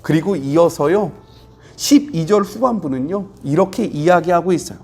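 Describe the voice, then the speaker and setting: Man, pastor, middle-aged, high voice, husky, earnest sermon. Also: moderate pace, darkish tone. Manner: earnest, explanatory, acts out quoted speech with rising intensity. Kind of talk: devotional Bible sermon.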